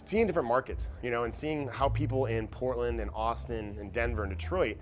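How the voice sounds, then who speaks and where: A man's voice: mid-range voice, a little fast, a little hiss or hum. A man talking conversationally in a promotional interview as a beverage director. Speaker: beverage director of a bar and restaurant.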